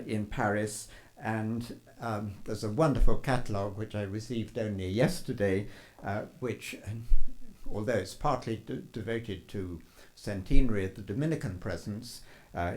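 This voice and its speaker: Older man, scholarly lecture, halting delivery, plenty of filler sounds. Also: on the low side, a little mellow. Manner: hesitant, many ums and uhs. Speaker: scholar giving a conference talk. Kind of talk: academic lecture.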